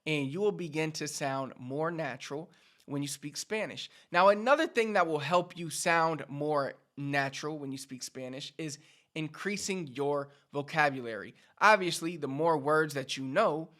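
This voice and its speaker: A Puerto Rican man with a Puerto Rican accent gives an upbeat Spanish lesson straight to the viewer. His voice sits a little high and rings bright and forceful. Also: normal speed. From Puerto Rico. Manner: upbeat, instructive, addresses viewers directly. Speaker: Spanish teacher. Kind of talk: direct-to-camera language lesson.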